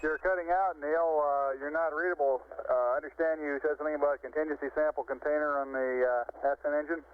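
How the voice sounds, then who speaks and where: A man's voice: fairly high pitch, fairly even intonation, fast. A man on a radio transmission as a mission control communicator, repeatedly calling to raise a crew in a procedural way. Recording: tinny narrow-band archival radio link.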